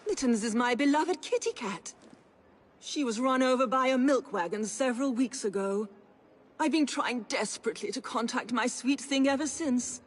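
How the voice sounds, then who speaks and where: A woman's voice: a little high, moderate pace, close to an everyday voice. A woman playing a frail grieving old lady. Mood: mournful. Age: older. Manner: sentimental, mournful. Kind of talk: video game cutscene acting.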